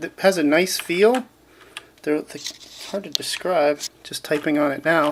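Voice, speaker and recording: Noticeable background noise runs under speech that moves at a fairly slow pace with long, frequent pauses. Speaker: tech reviewer. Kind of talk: unboxing video.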